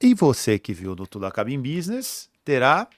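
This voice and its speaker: A man's voice: medium pitch, huge pitch swings, brisk, dry recording, studio quality. A man from Brazil hosting a business talk show, joking and effusive with his guest. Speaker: podcast host. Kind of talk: casual interview chat.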